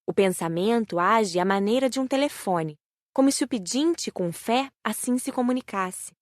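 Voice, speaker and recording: A woman narrating a scripted audiobook story in the first person, with measured, careful enunciation. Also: a little high, expressive, no echo, clean studio sound.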